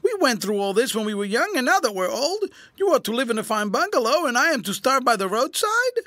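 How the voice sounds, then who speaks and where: A man voicing a rough, blunt old ex-soldier turned beggar who whines and wheedles. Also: extremely high pitch, big pitch swings, a little fast, bright, forceful tone, no room sound, pitched above the performer's own voice, full character voice. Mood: whining. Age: older. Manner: rough, blunt talk turning to whining begging.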